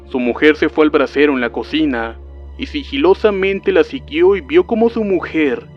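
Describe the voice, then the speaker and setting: Man narrating horror stories, lo-fi. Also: fairly high pitch. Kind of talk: scripted narration. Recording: dull lo-fi sound with faint music.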